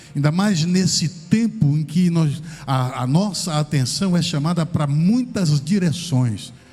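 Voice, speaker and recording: Hardly pausing, a man speaks at a very slow pace with very even loudness. His fairly high voice has ordinary pitch variation, and audible room echo surrounds it. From Brazil. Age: 70s. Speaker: pastor. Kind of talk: sermon.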